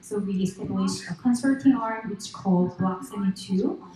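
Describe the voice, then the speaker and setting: A woman's voice: mid-range voice, normal speed, warm tone. A woman in her thirties whose first language is Korean, speaking on a conference panel with many fillers and light laughs. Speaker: panelist, fund partner. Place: large conference hall. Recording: echoey hall.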